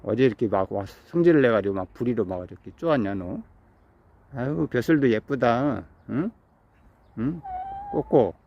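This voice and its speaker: A man's voice: medium pitch, lively intonation, normal speed, dull audio. A man on a rooftop in the early morning, chatting to his pet chicken in a coaxing, teasing way, like he would talk to a child. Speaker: pension owner talking to his pet chicken.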